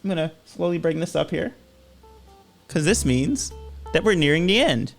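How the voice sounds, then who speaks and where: A man's voice: a little high, animated, moderate pace, creaky, faint music behind. A man co-hosting a podcast in casual chat, laughing often and reading tweets aloud with playful emphasis. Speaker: podcast co-host.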